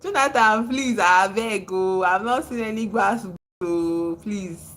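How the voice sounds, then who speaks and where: A woman's voice: medium pitch, slow pace, fairly bright tone, a little hiss or hum. A woman from Nigeria with a Nigerian accent, chatting casually on a livestream, reading out and answering viewers' comments and laughing often.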